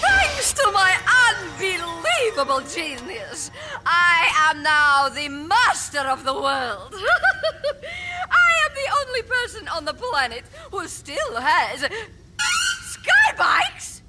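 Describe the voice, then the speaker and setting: A gloating cartoon supervillainess, very high and wildly swooping, boasting theatrically in a shriek. Her lines are drawn out slowly over loud music. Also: wildly swooping pitch, exaggerated voice, low-quality recording. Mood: gloating, furious. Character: gloating megalomaniac female cartoon villain. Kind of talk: animated comedy acting. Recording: loud music under the dialogue.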